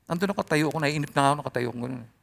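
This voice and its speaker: A male pastor preaching a sermon in an animated way, his voice often rising loud. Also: fairly high pitch, rapid-fire, creaky.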